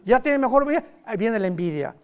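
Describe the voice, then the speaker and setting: A man preaching a sermon in a lively, conversational way, with sudden loud emphasis and quick asides. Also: very high voice, smooth.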